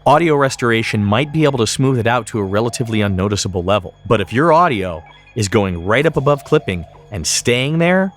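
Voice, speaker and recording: A middle-aged man giving scripted tutorial narration in a deliberate, emphatic way. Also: mid-range voice. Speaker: software tutorial instructor.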